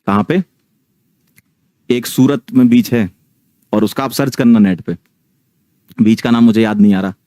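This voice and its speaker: A man's voice: medium pitch, moderate pace, pauses often, warm tone, no room sound. A man in his thirties telling a ghost story casually to a live online audience, often checking in with his listeners. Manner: chatty, keeps checking in with the listeners.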